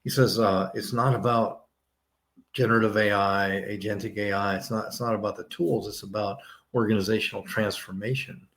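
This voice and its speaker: Lowish-voiced man hosting a podcast. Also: fairly even intonation, normal speed, a bit bright. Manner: conversational, paraphrases the guest's points, chuckles. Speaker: podcast host. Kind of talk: casual podcast interview.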